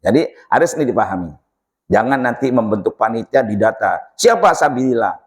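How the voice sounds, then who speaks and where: A man's voice: mid-range voice, fairly quick. An older man giving an informal religious lesson at a mosque, telling anecdotes and acting out the voices in them. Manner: lively storytelling, acting out dialogue, laughing. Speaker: mosque teacher giving a dawn study class.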